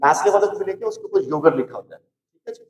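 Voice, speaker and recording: A man's voice: high voice, lively intonation, fast. A man teaching an English lesson. He drills each word by repeating it and quizzing his listeners. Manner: drills words by repeating them and asking the class. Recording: echoey room, from far off.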